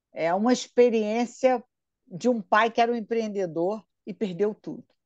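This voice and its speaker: A woman with a fairly high pitch and a dark, mellow tone is heard in a dry, close sound with no echo. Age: 70s. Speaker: career consultant, webinar host. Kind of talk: webinar conversation. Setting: online webinar.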